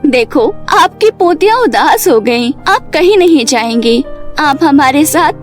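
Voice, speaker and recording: Lady doing kind concerned daughter in law, super high voice, cartoon story. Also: lively intonation, a little slow, faint music behind. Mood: concerned, caring. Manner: earnest, concerned. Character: kind, respectful, caring middle-aged daughter-in-law.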